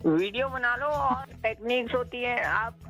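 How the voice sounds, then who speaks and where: A man on a phone call handing out firm, brisk advice to a distressed caller. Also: extremely high pitch, sharp tone, soft background music. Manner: brisk, advice-giving, assertive. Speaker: prank call recipient.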